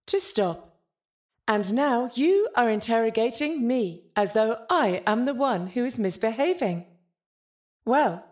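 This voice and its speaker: A woman playing a prim, evasive, literal-minded ship's intelligence in a science-fiction audio drama, speaking with dry, formal politeness. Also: a little high. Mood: primly indignant. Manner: formal, pedantic, dryly polite.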